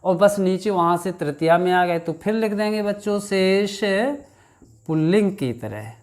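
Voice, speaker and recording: A man teaching a grammar lesson, reciting word forms in a slow chant and talking to his students as children. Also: high voice, a little mellow. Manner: addresses students as children, frequent "thik".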